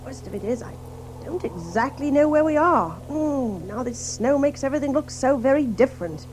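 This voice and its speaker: A woman's voice: high voice, lively intonation, normal speed, a little mellow, slight background noise. A woman playing a brave, kindly, fussing old male water rat in a children's audio drama, with hesitant, old-fashioned British phrasing. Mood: resigned, practical.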